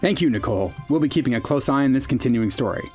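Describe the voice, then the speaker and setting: A man playing an earnest, pedantic, deadpan news anchor in an audio drama, with a stiff, deliberate delivery. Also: medium pitch, music in the background, close to an everyday voice. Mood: formal anchor.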